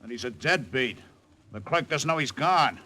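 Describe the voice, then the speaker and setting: An actor playing a streetwise, slangy private detective in a 1940s radio drama. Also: male voice, medium pitch, expressive, normal speed, lightly acted. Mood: wisecracking. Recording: noisy old radio transcription.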